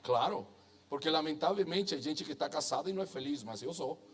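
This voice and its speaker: A man's voice: a little high, lively intonation, fairly quick. A middle-aged man from Chile with a strong Chilean Spanish accent, preaching to a church congregation in a chatty, self-joking manner that keeps asking "não é?" and "amém?". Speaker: guest preacher. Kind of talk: sermon at a church conference. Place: church stage before a congregation.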